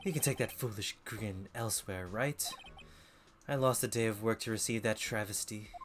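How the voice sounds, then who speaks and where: A man's voice: on the low side, normal speed, lightly acted. A man voicing a proud, cold young male prosecutor who speaks curtly and with disdain. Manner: curt and disdainful.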